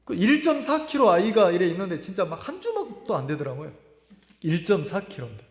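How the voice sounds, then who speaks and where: A middle-aged man preaching a sermon, telling a personal story in an earnest, emotional way, pausing and repeating his words. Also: high-pitched, sing-song. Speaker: pastor. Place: church sanctuary. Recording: echoey church hall with long reverb.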